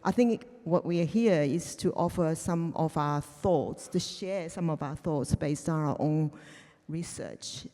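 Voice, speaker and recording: A woman from China speaking on a panel, halting and full of restarts and fillers. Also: low-pitched, mellow, long reverb tail. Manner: hesitant, many restarts and fillers. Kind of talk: panel discussion.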